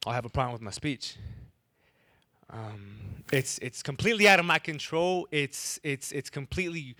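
A man's voice: medium pitch, moderate pace, bright, forceful tone, no echo, clean studio sound. A young man from Wisconsin telling a personal story to an audience, with a stutter that repeats words and cuts off syllables.

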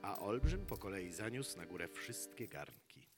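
A man narrating a fairy tale theatrically and deliberately, with strong swings between hushed and loud delivery. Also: low-pitched, big pitch swings. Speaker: storyteller in a performed concert radio play. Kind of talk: dramatic fairy-tale narration, live storytelling. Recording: live concert with loud music. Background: loud live instrumental music.

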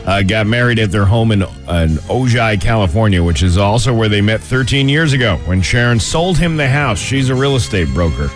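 A man's voice: on the low side, animated, fairly quick, hardly any pauses, soft background music. A man co-hosting a morning radio show, delivering entertainment news as casual banter. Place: radio studio.

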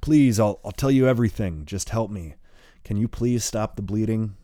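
A man's voice: lowish voice, slow pace, warm tone, no echo, clean studio sound. A man voicing a wounded, frightened teenage boy who pleads for his life. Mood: pleading. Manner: pleading, begging.

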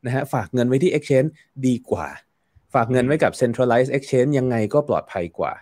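A man's voice: medium pitch, lively intonation, normal speed, darkish tone, no room sound. A man speaking as a guest in a casual interview, explaining at length with frequent fillers and repeated words. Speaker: guest commentator.

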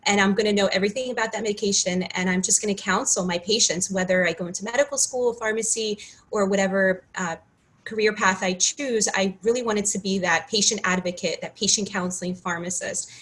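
A woman's voice: mid-range voice, fairly even intonation, fairly quick, fairly bright tone, low-quality recording. A woman in her thirties from Ukraine, a pharmacist guest chatting in an interview, earnest and given to restarts. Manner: earnest, restarts often, many "you know"s. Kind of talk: casual interview chat.

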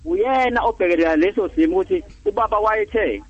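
A man's voice: sits high, lively intonation, fast. A man with a Zulu South African accent explaining his opinion as a radio phone-in caller, on a dull lo-fi line. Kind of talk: explanatory opinion-giving on air.

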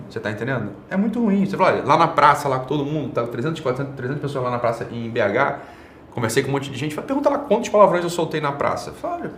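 A man talks fast and bluntly in a fairly high voice, piling on slang and swear words and tossing in rhetorical questions. He hosts his own online show and treats it as a casual opinion rant. The room around him gives his voice a noticeable echo, with faint ambient noise underneath. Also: a bit bright. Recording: roomy echo.

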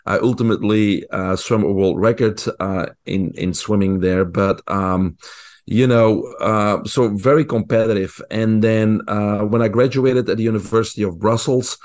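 A Belgian-accented man with a lowish voice answers questions on a radio interview. He speaks as a motivational coach, talking through his competitive drive and goals. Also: steady tone, moderate pace, darkish tone. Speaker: guest, mentor and coach.

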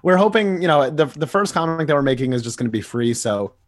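A young man co-hosting a podcast, chatting casually and telling stories in a rambling, animated way. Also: fairly high pitch, no echo, clean studio sound. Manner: fast, rambling, animated storytelling. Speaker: podcast co-host and comic writer. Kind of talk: casual chat.

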